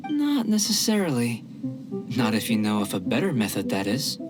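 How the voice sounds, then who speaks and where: An actor playing a calm, curious young male alchemist in a video game, speaking formally and precisely. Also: mid-range voice, normal speed. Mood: composed. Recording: game music behind the voice.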